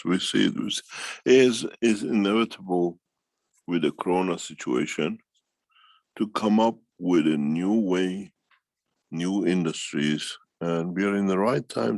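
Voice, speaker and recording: A man giving an unscripted answer in a meeting, halting yet emphatic, often repeating phrases for weight. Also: low voice, gravelly, a little mellow, dry recording. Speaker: foundation speaker answering questions. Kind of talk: unscripted talk, answering a question in an online meeting.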